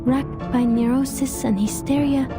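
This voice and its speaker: A woman's voice: high voice, steady tone, measured pace, over music. A woman voicing an inquisitive, observant young woman in a video game, with a musing, polite manner.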